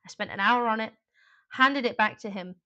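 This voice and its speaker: A woman's voice: on the high side, moderate pace, sharp tone, highs cut off. A woman teaching an exam class in a chatty, informal live online lesson, with frequent fillers and asides.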